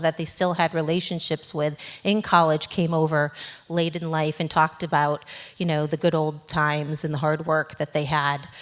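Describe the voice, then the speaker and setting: Her tone bright and sharp, a woman speaks at a fairly quick pace. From New England. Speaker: business executive. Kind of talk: speech to an audience. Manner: conversational.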